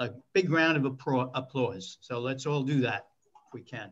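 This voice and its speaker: Over a quiet background, a man with a fairly high pitch speaks at a moderate pace, sounding somewhat breathy. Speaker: club program organizer, retired engineer; meeting host. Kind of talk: speaker introduction. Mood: warm, appreciative. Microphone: video call.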